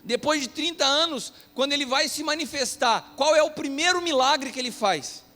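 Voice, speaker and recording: High-voiced man preaching in a church hall. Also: moderate pace. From Brazil. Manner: storytelling, animated, self-mocking. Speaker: pastor. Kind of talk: sermon. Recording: long reverb of a church hall.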